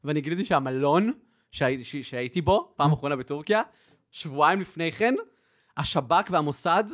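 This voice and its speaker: A young man chatting as a podcast guest, telling lively stories and laughing often. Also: a little high. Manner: lively storyteller, laughs often, switches into Spanish phrases. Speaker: podcast guest, content creator. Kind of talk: casual chat.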